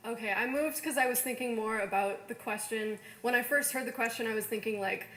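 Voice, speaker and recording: A woman's voice: a little high, a little fast, fairly bright tone, echoey room, a little hiss or hum, rough recording. A young woman in a casual panel discussion, hedging her words and filling them with "like". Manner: hedging, lots of "like". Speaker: panel guest.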